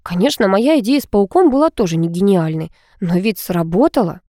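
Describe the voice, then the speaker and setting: A woman reading a first-person audiobook in a lively, expressive way. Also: mid-range voice, a little fast, no echo, studio quality. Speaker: audiobook narrator.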